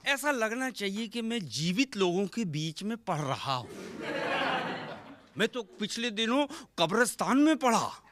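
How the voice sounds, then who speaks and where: Animated high-pitched male stage comic. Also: heavy background noise. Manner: animated, acts out quoted characters with sudden pitch jumps; drawn-out sing-song recitation of verse lines. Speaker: stand-up comic poet. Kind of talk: stage comedy storytelling.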